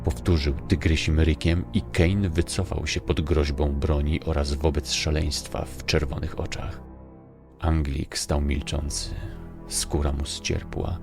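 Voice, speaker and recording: Very deep, gravelly male narrator. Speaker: audiobook narrator. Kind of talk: scripted dramatic story narration.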